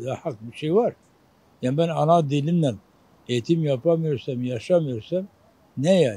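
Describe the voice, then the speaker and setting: With a dark, mellow tone, a man speaks somewhat breathily at a fairly high pitch, using lively intonation at a moderate pace. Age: 70s. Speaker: street interview interviewee. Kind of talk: street interview opinion. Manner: animated.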